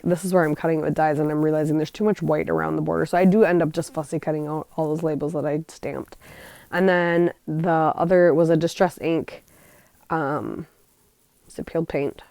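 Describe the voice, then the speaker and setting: A woman with a low, darkish voice hosts a scrapbooking channel, narrating her project in a casual craft voice-over with no echo. She's chatty and rambling, trailing off and correcting herself.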